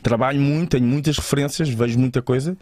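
A man with a European Portuguese accent speaks at a rapid clip in a casual interview. He explains himself in colloquial, slangy language, as a creative guest would. The sound is very dry and close, with no room around the voice. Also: medium pitch, darkish tone, no room sound.

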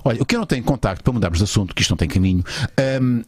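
A low-voiced man with a husky edge hosts a loose, joking talk show in a European Portuguese accent. He talks fast and his pitch swings widely, all of it recorded close and dry. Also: expressive, a little mellow, no room sound. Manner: joking, teasing, quick with puns. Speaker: host of a live talk show. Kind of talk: casual chat interview.

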